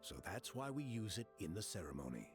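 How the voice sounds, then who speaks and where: A man's voice: fairly low pitch, big pitch swings, brisk, music in the background. A man playing an easygoing, knowledgeable tribal guide in a video game, explaining things in a reassuring way.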